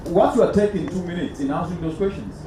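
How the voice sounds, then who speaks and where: A man's voice: high voice, fast talker. A man from Cameroon moderating a panel discussion, asking probing, emphatic questions. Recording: echoey hall, distant mic, noisy.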